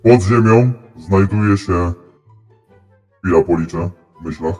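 Secretive incognito professor for a game video, voice modulator pitch-shifted very deep, solemn and cryptic, some music underneath. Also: male voice, a little mellow. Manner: solemn, cryptic, slow pronouncements. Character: secretive masked male professor, incognito, scheming. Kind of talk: game roleplay.

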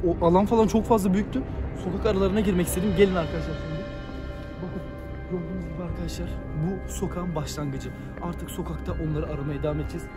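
A young man hosting a night-time horror vlog outdoors, excitable and panicky, often shouting and speaking straight to his viewers. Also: high voice, quick pace, over loud music. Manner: keeps addressing viewers as friends. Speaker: YouTuber host.

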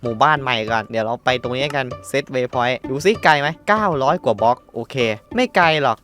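A man's voice: medium pitch, fairly quick, soft background music. A man hosting a casual let's-play, narrating his own moves, counting aloud and breaking into startled exclamations and coarse slang. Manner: excitable, yelps and exclaims at surprises, coarse slang. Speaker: gaming channel host.

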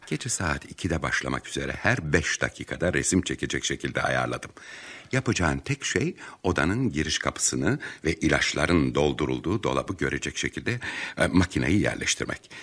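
An actor playing a tough, commanding and mocking police inspector in a Turkish radio drama. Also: male voice, extremely low pitch, a bit bright, slightly rough, exaggerated voice.

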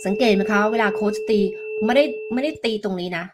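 A woman health coach giving a live demonstration lesson, explaining step by step in a gentle way and answering viewer questions, with tuning fork tones sounding behind her. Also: mid-range voice, lively intonation, fast talker. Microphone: desk microphone.

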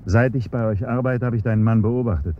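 An actor playing a scheming chauffeur who slides from servile politeness into cold, mocking blackmail, on a dull, faintly hissy radio-play recording. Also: male voice, medium pitch, quick pace, natural voice. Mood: menacing. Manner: polite and servile, then coolly mocking and menacing. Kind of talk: 1970s-style German radio play acting.

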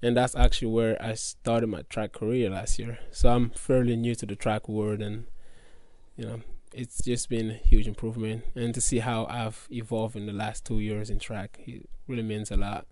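A young man talks through his answers in an earnest, easygoing way, leaning on fillers. His tone is dark and mellow. The recording is dry and close. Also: lowish voice, level tone, moderate pace, no room sound. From Congo. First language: French. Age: young adult. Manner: earnest, loose phrasing with many fillers. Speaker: college athlete guest. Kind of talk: casual interview answers.

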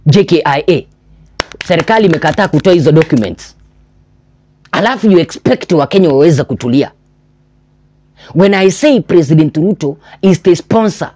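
A young man with a Kenyan accent delivers impassioned political commentary. His pitch swings widely as he hammers points home with repetition, and his tone is on the mellow side, recorded close and dry. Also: no room sound. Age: 20s. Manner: emphatic, rhetorical questions, repeats key phrases for stress. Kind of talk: impassioned commentary to camera, mixing English and Swahili. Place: small indoor room with a backdrop, armchair.

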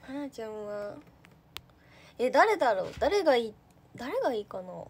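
A young woman in casual livestream chat, answering viewer comments in a fairly high voice that swoops up and down a lot. She is chatty and giggly, packs her talk with fillers and sounds relaxed and unscripted. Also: normal speed, slightly rough. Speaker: idol trainee livestreamer.

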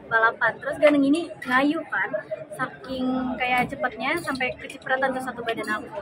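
A young actress eagerly telling stories in a press interview at a crowded banquet hall. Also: female voice, high-pitched, steady tone, normal speed, background noise. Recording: loud crowd chatter behind.

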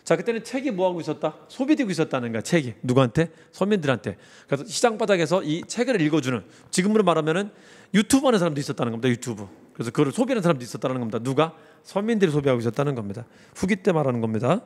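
Male history lecturer, exam review lecture, repeats key words, lively rising and falling voice, long reverb. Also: a little high, racing.

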